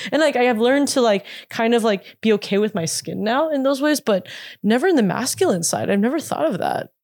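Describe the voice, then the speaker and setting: A woman with a Californian accent, fairly high in pitch and fairly quick, her intonation lively, on a very clean recording with a silent background. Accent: Californian American. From Los Angeles, San Fernando Valley. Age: 20s. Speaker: K-pop singer. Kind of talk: casual interview.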